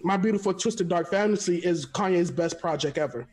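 A young man from Florida, a guest telling stories in an animated, rambling way over a headset from his living room. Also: sits high, a little fast. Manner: animated, laughs often, rambling storyteller. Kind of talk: casual video call chat.

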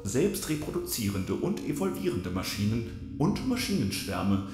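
A man's voice: medium pitch, wildly swooping pitch, normal speed. A man playing a doctrinaire swarm machine in a science fiction radio play, declaring things formally. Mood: solemn, formal. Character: doctrinaire male-voiced machine quoting swarm statutes. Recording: reverberant hall sound with music.

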